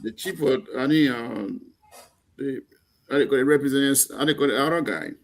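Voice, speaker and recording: A man's voice: medium pitch, fairly quick, creaky. A man with a Liberian accent, speaking as a panel guest in a heated political talk show, impassioned and emphatic with stumbling restarts.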